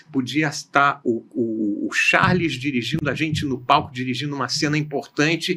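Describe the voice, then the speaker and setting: The man's tone is bright and sharp, his tempo moderate, and his pitch shifts by an ordinary amount. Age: 60s. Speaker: voice actor. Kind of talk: casual chat. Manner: animated.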